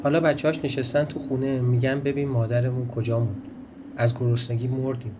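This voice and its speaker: A man voicing a kind-hearted peasant wife who pities everything she sees, speaking in a higher, coaxing voice in a dull, slightly noisy recording. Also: level tone, lightly acted. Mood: pitying. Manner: pitying, coaxing, gentle.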